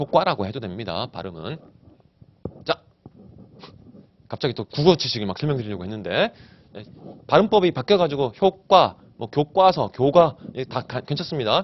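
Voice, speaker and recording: A man's fairly high voice with vocal fry and a Gyeongsang accent, at a moderate pace, with very wide pitch swings, big swings in loudness, and long, frequent pauses. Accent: Gyeongsang accent, strong tense consonants. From Gyeongsang Province, South Korea. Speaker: exam prep lecturer. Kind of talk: lecture.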